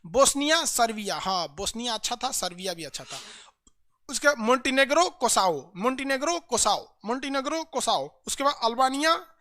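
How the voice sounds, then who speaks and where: Energetic male teacher chanting drills. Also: very high-pitched, no room sound. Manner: energetic, drills by loud rapid repetition, coaxing. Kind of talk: online map lesson with chanted drills.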